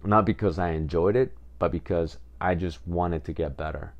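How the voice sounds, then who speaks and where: A man's voice: low voice, moderate pace, muffled recording. A man in his twenties from Peru, hosting a podcast and telling his own story in a casual, rambling way with many fillers. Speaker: podcast host.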